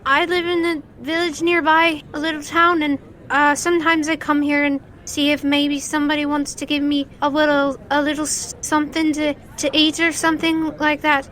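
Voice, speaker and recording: A woman voicing a small, poor, ragged boy who speaks politely and haltingly in a tabletop game. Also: high voice, flat delivery, fairly bright tone, pitched above the performer's own voice. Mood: shy, hopeful.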